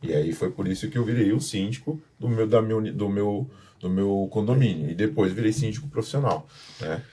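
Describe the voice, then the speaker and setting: A Brazilian man from São Paulo hosts a podcast in a low, husky voice. His tone is mellow, and he talks informally, repeating phrases as he addresses the audience. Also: brisk. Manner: informal, repetitive, addresses viewers directly. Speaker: podcast host, professional condominium manager. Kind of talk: conversational podcast presenting.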